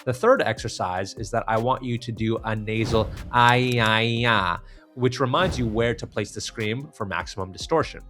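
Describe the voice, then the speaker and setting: Over soft background music, this male vocal coach talks a little fast in a lowish voice, barely pausing. He addresses the viewer directly and walks through his exercises one step at a time as a tutorial.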